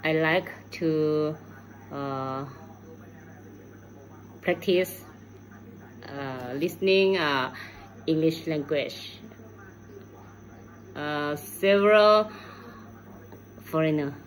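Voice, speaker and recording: A woman's voice: deep voice, extremely slow, long pauses, poor audio. A middle-aged woman from Thailand with a Thai accent, speaking hesitant learner's English in an unscripted video message and searching for words. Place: room at home, indoors. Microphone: phone at arm's length.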